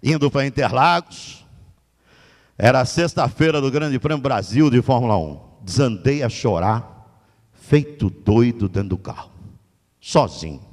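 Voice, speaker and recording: A middle-aged man with a Brazilian Portuguese accent, a journalist giving a lively storytelling lecture and acting out the dialogue in different voices. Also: mid-range voice, a little slow, in a large hall. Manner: dramatic, acts out dialogue in voices. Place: lecture hall.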